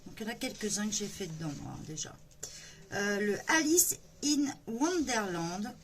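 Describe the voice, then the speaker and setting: A woman's voice: medium pitch, animated, normal speed, a little hiss or hum. A woman hosting her own coloring channel, presenting a coloring book page by page in a casual, hesitant chat full of fillers. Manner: chatty, hesitant with many fillers. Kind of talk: casual book flip-through.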